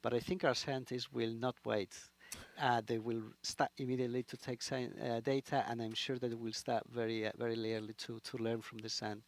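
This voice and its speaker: A male program manager answers as an interview guest in a halting, searching way. His voice is mid-pitched with a heavy gravelly creak. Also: level tone. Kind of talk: live interview.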